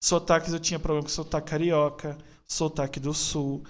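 Brief: late-20s São man, opinionated podcast guest, rambling but earnest, voice a touch high. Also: little pitch movement, a little fast. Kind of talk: casual podcast conversation.

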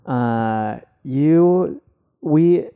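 A man co-hosting a casual podcast, playful and animated, often jumping up in pitch when surprised. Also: very slow, vocal fry, clean tone, phone-quality sound. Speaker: podcast co-host. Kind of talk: casual chat.

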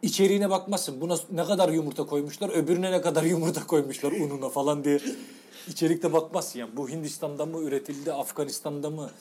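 A man's voice: fairly high pitch, fairly even intonation, fast, mellow, slightly rough. A man co-hosting a podcast, chatting casually with a friend in a playful, mock-serious, colloquial way. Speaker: podcast co-host. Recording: faint background noise, room ambience.

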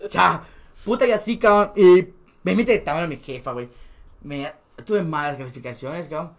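A young man with a Mexican Spanish accent appears as a podcast guest, telling casual stories, laughing a lot, and acting out other people's voices. He talks at normal speed in a voice that sits high and pauses often, and the room sounds echoey.

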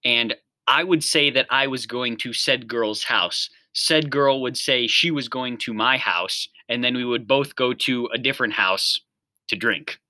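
Easygoing mid-twenties male co-host, very bright voice, dry booth sound. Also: mid-range voice, a little slow, no echo. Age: 20s. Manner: laughs often, easygoing. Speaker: podcast co-host. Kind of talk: casual chat.

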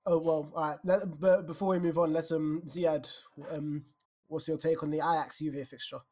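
A young London man with a slightly raised pitch, hosting a football podcast. His talk is informal and slangy, like chatting with friends. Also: fairly even intonation, moderate pace, darkish tone. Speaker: podcast host. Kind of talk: casual football chat.

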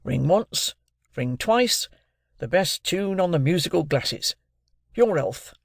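A man's voice: fairly high pitch, expressive, gravelly, dry recording, clean studio sound, pitched above the performer's own voice, full character voice. A man doing a bluff, commanding army sergeant. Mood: jovial. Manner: brisk, commanding, jovial.

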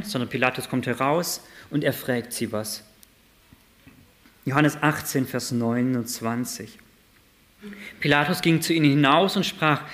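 A man preaching a sermon, reading Bible verses aloud and asking lively rhetorical questions, moving between loud and soft passages. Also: fairly high pitch.

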